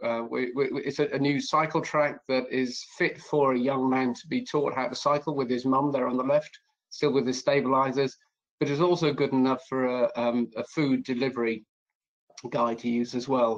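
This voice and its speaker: A man talks at a medium speed, his intonation fairly even, in a quiet setting. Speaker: street designer. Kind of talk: webinar presentation. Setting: video call. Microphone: video call.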